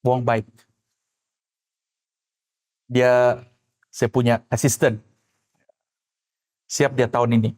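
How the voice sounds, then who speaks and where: A male pastor preaching a sermon, swinging between loud exclamations and quiet asides and acting out the people he quotes. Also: medium pitch, level tone, drawn-out words, pauses often.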